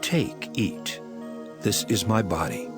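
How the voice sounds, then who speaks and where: Solemn religious teacher, lowish voice, dramatic swings in tone, measured archaic delivery, prominent music bed. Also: male voice, big pitch swings. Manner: solemn, measured, emphatic King James delivery. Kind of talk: dramatized scripture reading. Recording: loud music under the voice.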